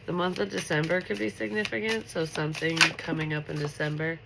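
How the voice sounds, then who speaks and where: A congested woman talks through a late-night tarot reading in a chatty, upbeat way, her voice sitting in a gravelly fry. Steady noise hums under the recording, and cards shuffle now and then. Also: low-pitched, a little fast. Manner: chatty and upbeat, full of filler words. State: stuffy, congested nose. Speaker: tarot reader.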